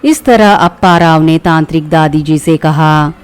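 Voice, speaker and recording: A woman narrating a spooky storybook tale in a slow, measured way. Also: deep voice, clear, resonant tone. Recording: soft background music.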